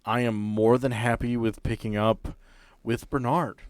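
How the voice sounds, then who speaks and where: A man's voice: mid-range voice, steady tone, unhurried, dry recording. A man speaking casually as podcast host and game master, bantering and narrating.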